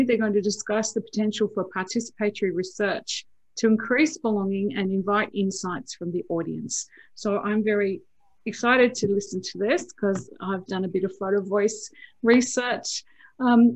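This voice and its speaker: Woman intro-ing a zoom talk, croaky morning voice, lots of ums, dry sound. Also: mid-range voice, fairly even intonation, normal speed, dry recording, poor audio. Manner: reads the introduction with fillers. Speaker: session chair. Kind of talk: introducing a conference session. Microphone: video call.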